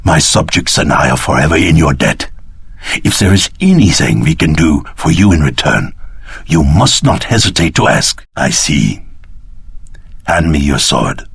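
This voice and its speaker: Solemn video game lord, formal and deliberate, husky voice, super dry recording. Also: male voice, a bass voice, sing-song, no echo, exaggerated voice. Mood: solemn, grateful. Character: solemn, courteous male ruler, grave and measured.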